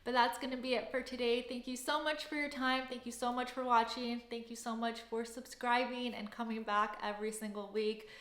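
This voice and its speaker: A woman's voice: fairly high pitch, little pitch movement, a little fast, hardly any pauses, fairly bright tone, echoey room. A young woman, hosting a casual Q&A vlog in an upbeat, effusive way. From Canada. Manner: upbeat, effusive, gushing thanks. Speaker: vlogger and job-search coach.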